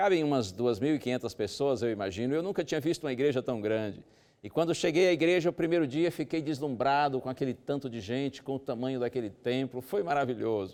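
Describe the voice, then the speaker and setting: A man speaks very fast at a medium pitch, his intonation lively. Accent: northeastern Brazilian. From Bahia, northeastern Brazil. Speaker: pastor. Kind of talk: storytelling. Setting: studio. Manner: animated.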